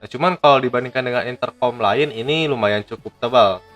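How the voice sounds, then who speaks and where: A man's voice: medium pitch, brisk, a bit bright, faint music behind. A man from Indonesia, chatting casually to viewers as he demonstrates and reviews a gadget. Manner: chatty, addresses viewers as friends.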